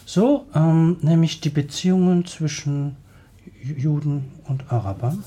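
A man hosting a radio interview, halting and filling pauses with many hesitations. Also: a little high, mellow, husky. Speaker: radio host.

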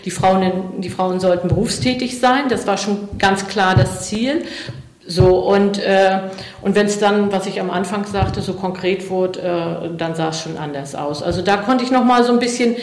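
A woman's voice: medium pitch, roomy sound. A middle-aged woman from eastern Germany answering interview questions thoughtfully, with many fillers and restarts. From East Germany.

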